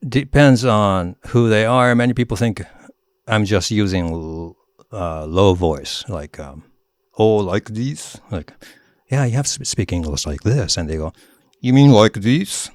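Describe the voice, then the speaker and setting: A middle-aged Japanese man with a Japanese accent, a guest author chatting in an interview, animated and laughing often as he demonstrates voices. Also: low voice, moderate pace, no room sound, clean studio sound. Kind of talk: casual interview talk.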